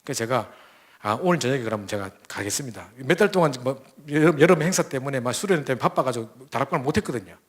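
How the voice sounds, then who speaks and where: A young man preaching a sermon, telling a story full of quoted dialogue and quick restarts. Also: mid-range voice, lively intonation, husky. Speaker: preacher at a church training camp. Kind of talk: sermon with acted-out stories.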